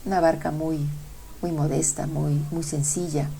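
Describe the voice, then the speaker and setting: A woman's voice: deep voice, flat delivery, unhurried, gravelly, warm tone, slight background noise, low-quality recording. A woman hosting a psychology radio talk, speaking conversationally to her listeners as friends and retelling a fable with easy fillers. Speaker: radio host.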